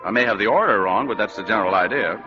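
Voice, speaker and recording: A man's voice: fairly low pitch, very fast, natural voice. A man playing a hard-boiled private detective who narrates with dry, sardonic wisecracks in a vintage radio drama. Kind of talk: 1940s radio acting. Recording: muffled old radio broadcast with music.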